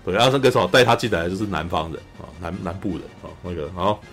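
A man from Taiwan, co-hosting a podcast and chatting casually about a film, animated, acting out scenes and often saying "you know". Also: deep voice, very fast, faint music behind. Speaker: podcast co-host. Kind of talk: casual film review chat.

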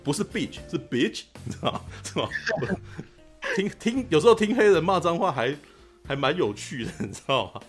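Faint music plays behind a man in his forties who co-hosts a podcast. Chatting casually at a normal speed in a fairly high voice, he tells stories animatedly and keeps asking "you know?"

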